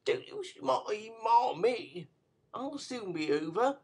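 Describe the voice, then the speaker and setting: A man voicing a weary young woman in a storybook reading, speaking with soft, pleading tenderness. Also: very high-pitched, sing-song, slow pace, vocal fry, pitched above the performer's own voice, full character voice.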